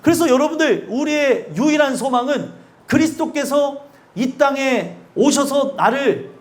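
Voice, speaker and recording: A man preaches a sermon in an unusually high voice for a man, his pitch rising and falling widely. He talks to the congregation directly and keeps putting questions to them. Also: lively intonation, a little slow. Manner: emphatic and conversational, often asking the congregation questions; acts out quoted speakers with sudden drops in pitch and loudness. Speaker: pastor.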